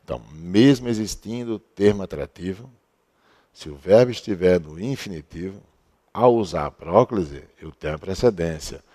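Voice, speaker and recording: A male teacher with a deep, mellow voice. He walks through a grammar rule step by step at a board, asking questions and then answering them himself. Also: expressive, moderate pace. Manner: explains step by step, asks and answers his own questions. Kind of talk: recorded grammar lesson. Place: at a board he writes on and erases.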